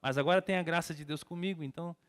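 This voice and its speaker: Brazilian pastor preaching in an echoing hall. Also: male voice, on the high side, racing. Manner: storytelling, acts out quotes, grows loud and emphatic. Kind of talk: sermon with personal story. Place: church hall. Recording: long church hall reverb.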